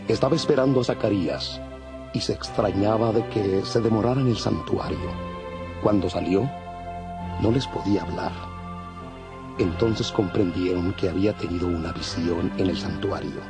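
A man narrating scripture from a script in measured storytelling. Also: lowish voice. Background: faint music.

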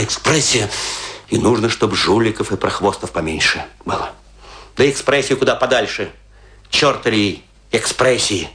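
Radio play: aggrieved, tipsy ham actor, declamatory and self-pitying, hugely animated intonation, dramatic pauses. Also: male voice, fairly low pitch. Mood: scornful. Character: boastful, aggrieved, tipsy provincial actor ranting theatrically. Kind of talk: theatrical radio play monologue.

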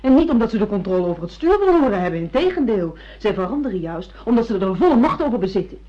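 A woman's voice: mid-range voice, very animated, fast talker. A woman acting a self-assured secretary and secret mistress in a Dutch radio play, frank and reproachful as she lectures her boss. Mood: indignant, reproachful. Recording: muffled lo-fi radio play recording.

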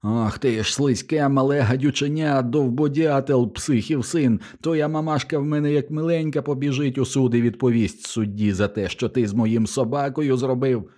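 Brief: spiteful fat older man, as a male reader puts him on, yelling and jeering. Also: mid-range voice, steady tone, normal speed, hardly any pauses, voice pushed up, close to an everyday voice. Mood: sneering rage. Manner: coarse, sneering, yelling.

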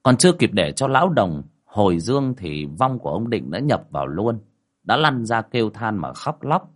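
A man's voice: on the low side, big pitch swings, normal speed. A man narrating a ghost story in a dramatic manner, voicing the characters' dialogue.

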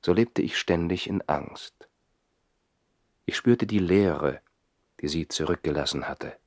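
A man's voice: deep voice, slow, no echo, studio quality. An actor playing a lovesick nobleman who lives in the trees, in a theatrical 1960s German radio play. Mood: wistful, recounting. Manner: theatrical, swinging from reflective telling to anguished outbursts.

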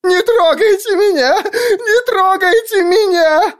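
A panicked woman wails and begs in a piercing, tearful voice, voiced by a man reading an audiobook. Her pleas come out high, slow and crying. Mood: terrified. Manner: shrill, sobbing pleas. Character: terrified woman begging for her life.

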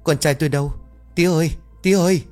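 Man voicing a grieving young mother, high shrill wailing cries, faint music behind. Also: quick pace, darkish tone, natural voice. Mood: frantic.

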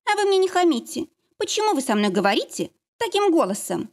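A woman voicing a curt, haughty ex-wife who speaks in a strict, pushy, sharp way. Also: a little high, big pitch swings, brisk, pitched above the performer's own voice. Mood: cold, insistent.

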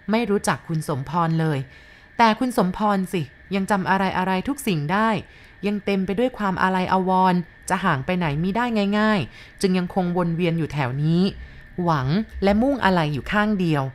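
Low-voiced woman reading a story. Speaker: audiobook reader. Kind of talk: scripted story narration.

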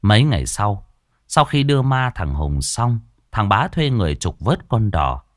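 A man narrating a horror story in a dramatic, expressive way. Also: on the low side, normal speed, no room sound, clean studio sound.

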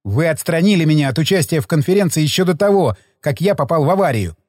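A man voicing a tense, stubborn young male doctor who speaks low and strained. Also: expressive, fast talker, a little mellow, dry recording, studio quality.

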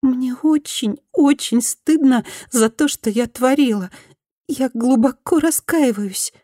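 A woman's voice: high voice, slow pace, mellow, no room sound, clean studio sound, pitched above the performer's own voice. A woman voicing a remorseful former schoolgirl bully, now a housewife, who pleads in a thin, small, faltering voice and stammers slightly. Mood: pleading.

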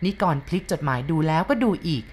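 Woman reading a ghost story aloud, really lively pitch, very expressive. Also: fast. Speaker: narrator. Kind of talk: storybook narration.

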